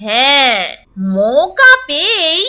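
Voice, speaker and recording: A woman's voice: high voice, sing-song, takes it slowly, bright, forceful tone, exaggerated voice. A woman voicing a mischievous, food-loving young schoolboy in a cartoon, with an exaggerated, childlike delivery. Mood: dismayed. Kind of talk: cartoon voice acting.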